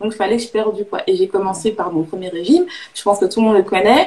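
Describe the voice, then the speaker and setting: A woman races along at a very fast pace in a fairly high pitch. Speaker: weight and emotional eating coach. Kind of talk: live video chat.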